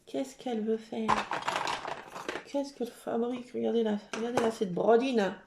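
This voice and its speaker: A woman's voice: fairly high pitch, steady tone, normal speed, vocal fry, noisy background. A woman voicing her grumpy cat, who mutters scornfully about its old owner.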